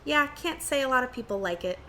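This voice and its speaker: Woman acting a bright-voiced, guarded young local. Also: high voice, lively intonation, brisk, a little hiss or hum. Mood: wary. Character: guarded, self-conscious young daughter of the mayor. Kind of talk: audio drama acting.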